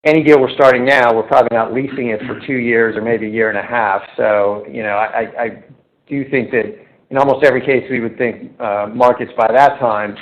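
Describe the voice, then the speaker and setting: A man speaking as a company executive, giving measured, unscripted answers on a corporate call. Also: mid-range voice, steady tone. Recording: slightly dull, lo-fi conference audio.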